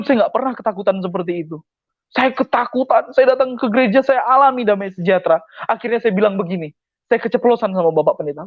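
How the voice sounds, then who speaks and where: A young man with a notably high voice gives his personal conversion testimony emphatically, circling back to repeat key phrases. The recording sounds dull and lo-fi, close and dry with no room echo.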